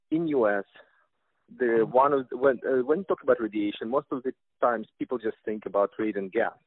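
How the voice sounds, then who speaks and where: A man's voice: medium pitch, no room sound. Russian-accented man on a phone line. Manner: hesitant, many fillers and restarts. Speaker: company representative guest. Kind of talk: interview answers about products. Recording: tinny phone line, dry.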